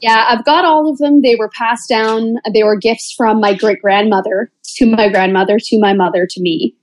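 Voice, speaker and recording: Actress lady being interviewed, chatty answers, slightly high voice, dry sound. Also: no room sound, rough recording. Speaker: interview guest, musical theater actress.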